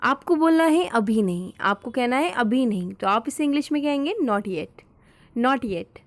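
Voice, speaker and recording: A woman's voice: fairly high pitch, animated, no echo. Patient woman teaching spoken English. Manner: repeats each phrase slowly, patient step-by-step explaining.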